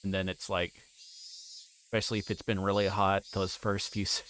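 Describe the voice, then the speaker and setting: Male game streamer, lower-pitched voice, alternates read-aloud narration with loose, halting casual chat. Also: flat delivery, a bit bright, a little hiss or hum. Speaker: livestreamer. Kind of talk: reading a visual novel aloud with casual chat to viewers.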